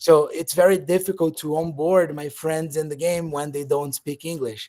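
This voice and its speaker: This voice carries a Brazilian accent. It moves at a moderate pace. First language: Portuguese. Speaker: game community representative. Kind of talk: game presentation on a livestream. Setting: livestream. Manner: halting, many repeated words.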